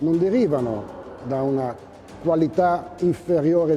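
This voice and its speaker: Ordinary pitch variation from a man, with noticeable noise in the background. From Italy. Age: 60s. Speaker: dental patient. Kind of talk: testimony. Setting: outdoors.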